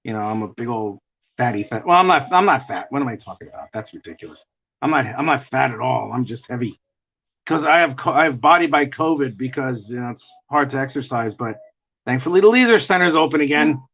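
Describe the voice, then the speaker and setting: A man with a gravelly voice and a New York accent, chatting in a rambling way while he draws on a livestream. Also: medium pitch, expressive, brisk, a bit bright. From United States. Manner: chatty, rambling, chuckling often. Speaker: artist livestreaming a drawing session. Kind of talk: casual chat while drawing. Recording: dull lo-fi stream audio.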